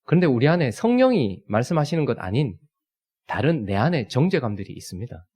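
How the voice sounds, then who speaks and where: A man's voice: medium pitch, sing-song, a little fast, warm tone, breathy edge. A man, preaching a sermon and telling a family story, acting out the scenes. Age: 30s. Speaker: pastor.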